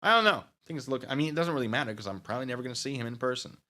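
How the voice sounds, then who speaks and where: A man's voice: mid-range voice, lively intonation, rapid-fire, bright, forceful tone. A man live streaming, rambling casually with mock-petty sarcasm while reading chat.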